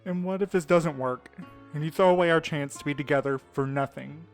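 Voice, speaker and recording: An actor in an audio drama playing a tender, grieving man who speaks haltingly and pleads with his lover. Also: a little high, soft background music, natural voice. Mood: pleading, tearful.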